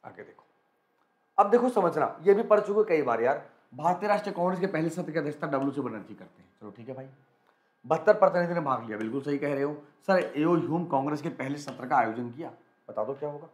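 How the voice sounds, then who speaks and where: Brief: young man, exam-prep teacher, slightly higher voice, punchy repetitive drilling, echoey studio. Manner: energetic, repetitive, coaxing students to answer quickly. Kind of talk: live quiz lesson for students.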